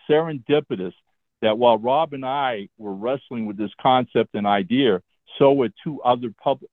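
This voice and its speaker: A man's voice: medium pitch, no room sound. Older man, 70s, talkative career storyteller, frequent "all right?" check-ins, tinny phone audio. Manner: chatty, often checks in with "all right?" and "okay?". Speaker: guest, comic book writer. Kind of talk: casual interview storytelling. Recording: tinny phone-line sound.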